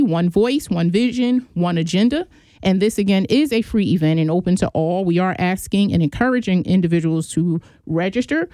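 A woman hosting a business chamber's radio show reads event announcements in an upbeat, promotional style, then welcomes a guest for an interview. Her voice is mid-range and dark-toned, and the recording is dry.

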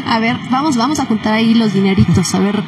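A woman's voice: on the high side, animated, a little fast, noisy background. A woman doing live soccer commentary mixed with casual chat. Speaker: sports play-by-play commentator.

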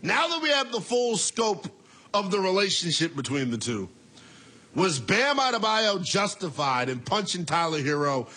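A man in his twenties hosting a call-in sports talk show, animated and laughing as he banters with callers. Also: high voice, moderate pace. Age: 20s.

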